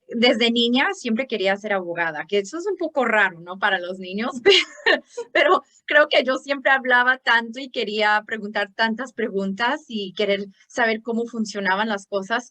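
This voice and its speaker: A woman from Chicago, a bankruptcy lawyer, answering interview questions in a chatty, hesitant way with frequent pauses and restarts. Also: fairly high pitch, expressive, pushed and bright. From Chicago, United States.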